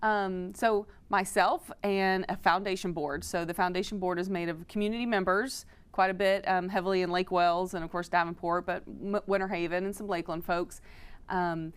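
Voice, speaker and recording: A middle-aged woman from Florida talks through her work in a studio interview. Her voice is smooth and clear and sits a little low. She explains patiently and warmly, with plenty of "um" fillers. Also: steady tone, normal speed. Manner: friendly, informative, fillers like "um". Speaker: foundation executive director, guest. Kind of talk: interview answers.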